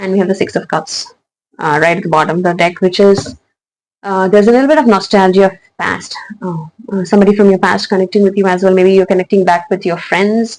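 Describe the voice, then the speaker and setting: Here a woman talks at a fairly quick pace and medium pitch. Her intonation stays fairly even. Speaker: tarot reader. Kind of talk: tarot reading monologue. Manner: fast; halting, repeating words.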